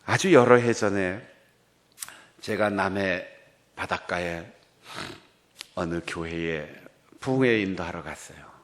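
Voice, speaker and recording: A man's voice: deep voice, slow, long pauses. A middle-aged male pastor with a Gangwon Korean accent, preaching a sermon and telling stories that act out quoted dialogue. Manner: animated storytelling, acting out quoted dialogue.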